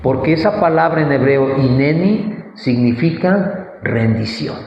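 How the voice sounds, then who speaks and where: A man preaching a sermon and leading prayer, fervent and unhurried, with long pauses. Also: mid-range voice, expressive, highs cut off. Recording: echoey hall with faint noise.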